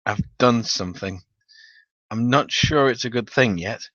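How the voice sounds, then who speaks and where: A man's voice: mid-range voice, measured pace, a bit bright, lightly acted. A man voicing a sleepless, intense gamer grimly set on revenge, grave and dramatic, in a story reading. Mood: grim, calm. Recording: dull, roomy home recording.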